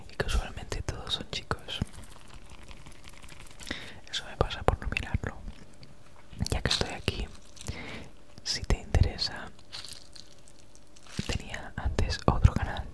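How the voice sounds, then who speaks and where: A woman in her thirties with an accent from Spain chats casually in breathy, unvoiced ASMR whispers, very close to the mic, right in your ear, with a noticeable S sound. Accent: Spanish from Spain. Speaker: ASMR creator. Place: small home room, indoors. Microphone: handheld recorder with foam windscreen, very close.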